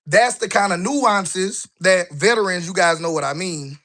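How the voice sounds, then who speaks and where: A man in his thirties vlogs as he walks indoors through his office floors, a little out of breath. His voice sits high and sounds bright and forward. He talks loosely and conversationally, tossing in rhetorical questions. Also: measured pace. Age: 30s. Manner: conversational, asks rhetorical "right?" often; colloquial, relaxed grammar. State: a bit out of breath while walking. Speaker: business vlogger. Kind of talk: casual walking vlog.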